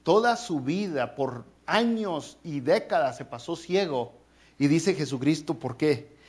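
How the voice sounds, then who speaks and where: A man preaching a sermon as pastor, animated, with playful asides and mock voices. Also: on the high side, unhurried, breathy edge.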